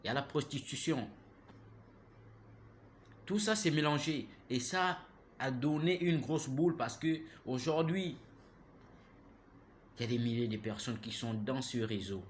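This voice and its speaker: A man, giving an impassioned, preachy monologue that keeps turning to the listener with "hein?" and grows loud and heated. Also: mid-range voice, unhurried, pauses often, slight background noise. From Gabon. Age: 30s. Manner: preachy, repeats himself, asks listeners "hein?". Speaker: vlogger.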